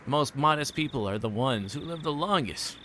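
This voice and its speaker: A man's voice: mid-range voice, animated, a little fast, background noise, pitched above the performer's own voice, close to an everyday voice. A man reading aloud the part of a folksy, self-deprecating older detective in a visual novel, musing to a junior colleague.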